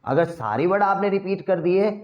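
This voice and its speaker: A man's voice: high-pitched, lively intonation, moderate pace, muffled recording. Indian man coaching for interviews. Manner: chatty, acts out both sides of interview exchanges. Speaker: interview trainer. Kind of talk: casual spoken coaching lesson.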